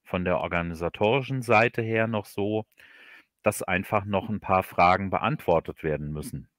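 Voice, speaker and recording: A man in an unscripted interview, speaking haltingly and often repeating words as he looks for phrasing. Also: sits low, a bit bright, dry recording, clean studio sound. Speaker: author being interviewed on a livestream.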